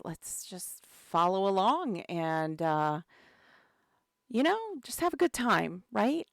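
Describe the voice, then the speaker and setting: Woman community manager with a cold, laid-back stream host, slow delivery, smooth tone. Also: medium pitch, dry recording, clean studio sound. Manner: chatty and relaxed, many fillers, greets chat. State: has a cold. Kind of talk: casual live-stream commentary.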